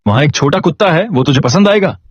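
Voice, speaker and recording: A man's voice: fairly high pitch, animated, fast, slightly rough, no echo, highs cut off. A man voicing a broke young farmer hero who jokes and gets flustered. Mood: jokey, flustered.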